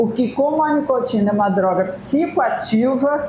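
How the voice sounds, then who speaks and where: A woman speaks with a high pitch and lively intonation. Audible room echo and noticeable background noise fill the recording. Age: 60s. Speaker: pulmonologist. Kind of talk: lecture. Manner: halting.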